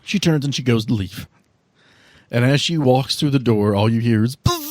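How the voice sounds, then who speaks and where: A man's voice: mid-range voice, lively intonation, moderate pace, a little mellow, dry recording, studio quality. A man acting as game master, narrating a tabletop game in a casual way.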